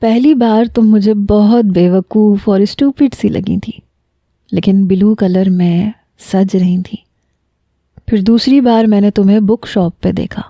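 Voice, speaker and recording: A woman reading the lines of an earnest, emotional young man confessing his love, in a soft, heartfelt storytelling delivery. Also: mid-range voice, fairly even intonation, dry recording, highs cut off, close to an everyday voice. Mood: tender. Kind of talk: scripted narration.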